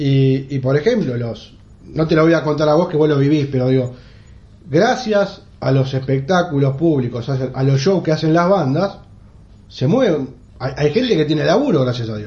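A man's fairly high, somewhat breathy voice at a moderate pace with lively intonation. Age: 40s. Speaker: podcast interviewer. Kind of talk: casual interview. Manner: halting, many repetitions and fillers.

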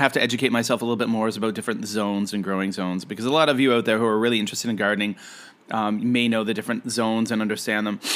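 This man speaks with a Maritime Canadian accent. His pitch is medium. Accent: Canadian (Maritimes). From Nova Scotia, eastern Canada. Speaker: podcast host, early years educator. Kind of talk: solo podcast monologue.

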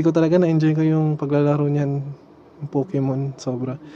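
There is noticeable background noise as a man talks at a moderate pace in a fairly high pitch. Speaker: podcast host. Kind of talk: casual monologue. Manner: halting.

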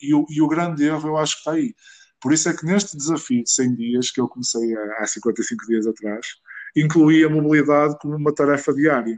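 With ordinary pitch variation, a man's fairly high voice moves along at a fairly quick clip. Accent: European Portuguese. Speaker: fitness coach. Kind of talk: casual chat.

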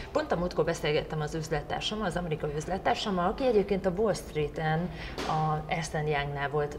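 A woman speaks at a moderate pace in a very deep, low pitch with ordinary pitch variation. Audible room echo and noticeable background noise surround her. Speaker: author and entrepreneur. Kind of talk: interview.

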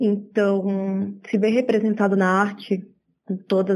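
Very slow and medium-pitched, a woman speaks with a dark, mellow tone. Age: 20s. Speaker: freelance copy editor. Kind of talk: recorded statement.

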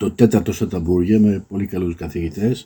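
A man's fairly low, somewhat breathy voice, dark and mellow in tone, with ordinary pitch variation and a moderate pace. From Greece, Piraeus. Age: 70s. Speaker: poet and publisher. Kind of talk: interview.

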